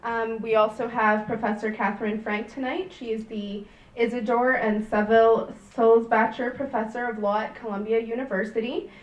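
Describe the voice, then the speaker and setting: A woman's voice: on the high side, flat delivery, moderate pace, lo-fi sound. A young woman, a student organizer, introducing a panel hesitantly with many fillers. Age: young adult. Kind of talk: event introduction. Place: large lecture hall. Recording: echoey hall, mic far off, faint hum.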